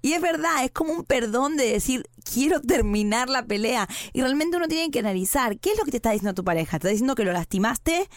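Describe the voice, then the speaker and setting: Woman, rioplatense accent, podcast co-host, slightly high voice, dry close sound, earnest advice. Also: animated, fast talker, few pauses, dry recording. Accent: Rioplatense Spanish. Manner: earnest, advice-giving, quotes arguments in voices. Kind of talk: casual couple's podcast chat.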